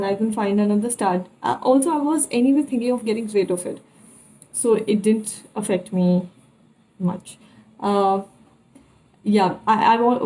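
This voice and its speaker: A young woman with an Indian English accent chats in a casual vlog style. Her voice sits fairly high yet has a soft, mellow tone. She takes her time, with many pauses as she searches for details. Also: rough recording. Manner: hesitant, pausing often to recall details. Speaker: vlogger. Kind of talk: casual personal vlog storytelling.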